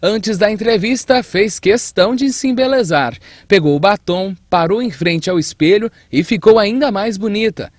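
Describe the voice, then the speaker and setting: A man's voice: high voice, animated, normal speed, few pauses, no echo. A young Brazilian man narrating a scripted news feature as a TV reporter.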